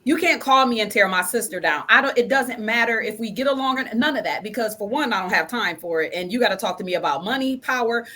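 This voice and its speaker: A woman's voice: on the high side, expressive, fast, few pauses, sharp tone. A woman speaking emphatically as a guest in a conversational interview, often repeating phrases for emphasis. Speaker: guest from a stage play production.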